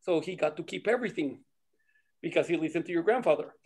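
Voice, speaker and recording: A man from Costa Rica with a fairly high voice talks casually and tells stories. He is a native Spanish speaker who wanders into tangents in an animated way, with some swearing. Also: fast, breathy edge. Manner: animated, swears freely, digressive. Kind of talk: casual chat, storytelling.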